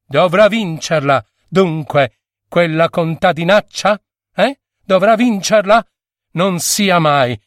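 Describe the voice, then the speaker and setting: A man's voice: sits high, slow pace, no echo, clean studio sound. A man voicing an imperious, impatient queen in a read-aloud fairy tale, talking in a haughty, emphatic way. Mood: scornful.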